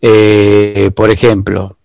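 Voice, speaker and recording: A low-pitched man lectures patiently as an interview guest, his voice gravelly with fry. He is recorded close and dry, with no room sound. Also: monotone, a little mellow, dry recording. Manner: measured, lecturing, with frequent rhetorical asides. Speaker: guest expert on biological decoding. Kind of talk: explanatory interview answers.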